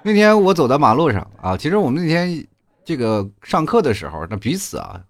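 A young man from Inner Mongolia, hosting a comedy podcast and telling funny school stories in a chatty, animated way, full of asides to listeners. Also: a little high, fairly quick, no echo. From Inner Mongolia, China. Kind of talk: comic storytelling monologue.

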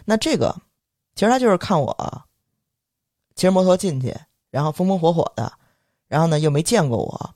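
Young man, rapid animated storytelling, rather high voice, dry close sound. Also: no echo. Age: young adult. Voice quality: heavy erhua, quick lively delivery. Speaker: podcast co-host. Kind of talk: animated storytelling, casual chat.

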